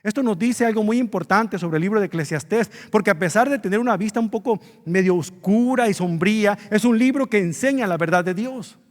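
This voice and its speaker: A male pastor preaches an earnest sermon, pitched high for a man. He pushes his key words upward for emphasis. His voice carries through the long reverb of a church. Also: a little fast, few pauses.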